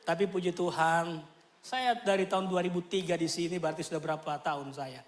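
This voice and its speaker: A male pastor preaching a sermon, animated, with loud bursts and quiet joking asides. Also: on the high side, brisk. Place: church. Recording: echoey church hall.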